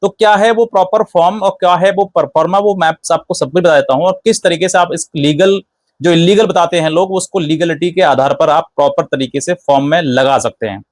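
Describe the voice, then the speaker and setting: A man's voice: on the high side, a little fast, no room sound. A man hosting an informal legal explainer, going step by step, often rephrasing himself and dropping in English legal terms. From India. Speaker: legal advice channel host.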